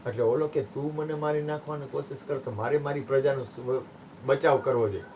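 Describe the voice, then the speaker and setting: A man leads a satsang, his voice sitting at an ordinary middle pitch. He tells parables with animated swings, jumping up loud and high, then sinking to quiet asides. A faint background hiss runs under the talk. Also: brisk. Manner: animated storytelling, voice rising and dropping sharply. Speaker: spiritual teacher. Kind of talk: satsang discourse with storytelling.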